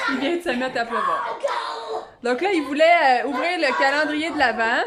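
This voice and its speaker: Loud and high-pitched, a woman with a Quebec accent speaks at a moderate pace with ordinary pitch variation, amid noticeable background noise and audible room echo. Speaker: mother vlogger. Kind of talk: family vlog.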